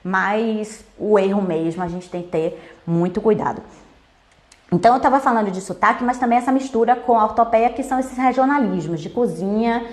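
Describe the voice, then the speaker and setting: A woman's voice: medium pitch, a little fast, darkish tone, reverberant. A woman hosting a speaking-skills channel, explaining to viewers in a casual, conversational way and often tying thoughts together with small linking words. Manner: conversational, explains with frequent "então" and "né".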